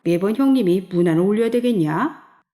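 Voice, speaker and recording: A woman's voice: mid-range voice, expressive, brisk, dark tone, natural voice. Woman reading as a bossy, needling male friend. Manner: commanding, needling. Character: pushy bossy middle-aged male friend.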